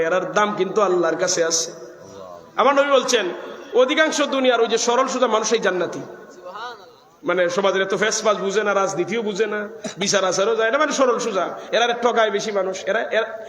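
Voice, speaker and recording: A man from Bangladesh with a Sylheti Bengali accent preaching a waz sermon to an open-air gathering, telling stories with passion and breaking into chant. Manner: impassioned storytelling, voice rising high on quotes. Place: open-air religious gathering, speaker seated above crowd. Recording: echoey loudspeaker sound with long reverb.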